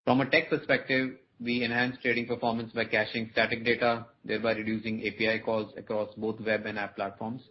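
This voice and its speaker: A man's voice: lowish voice, little pitch movement, fairly quick, few pauses. A man, a company executive, formally reading a scripted earnings presentation on a conference call. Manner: formal, reading prepared remarks. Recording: muffled conference line, background noise.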